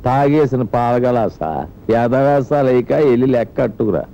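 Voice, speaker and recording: An older actor playing a gruff, threatening father-in-law who demands his money, from an old comedy film. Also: medium pitch, steady tone, moderate pace, warm tone, close to an everyday voice. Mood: demanding. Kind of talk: 1990s comedy film dialogue. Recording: dull old film soundtrack with music.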